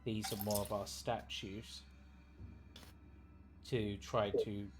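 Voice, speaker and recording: A man's voice: on the low side, flat delivery, slow, soft background music. A man chatting casually as a player in a tabletop role-playing game, thinking through his moves.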